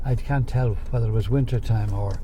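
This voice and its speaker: A man's voice: on the low side, fairly even intonation, fairly quick. A man in his eighties with a Dublin Irish accent, reminiscing casually in a hesitant, rambling, agreeable way. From Dublin, Ireland. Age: 80s. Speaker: interviewee looking back on his life. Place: inside a moving car. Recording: noisy car interior, dull sound. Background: loud road and engine noise.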